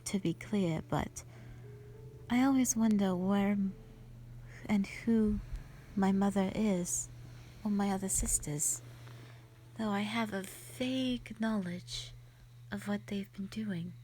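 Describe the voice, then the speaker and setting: A woman voicing a gentle, lonely female white dragon in a roleplay audio drama, speaking softly and breathily in a sweet, formal, hesitant way. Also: mid-range voice, slow, long pauses, a little hiss or hum, close to an everyday voice, low-quality recording. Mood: pensive, uneasy. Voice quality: soft, breathy, often whispery.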